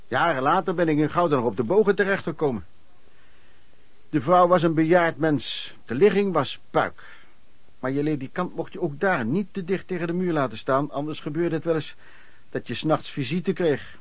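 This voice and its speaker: A man's voice: fairly high pitch, animated, moderate pace, no room sound. An actor playing a former traveling merchant recounting his lodging-house years in colloquial radio drama narration. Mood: reminiscing.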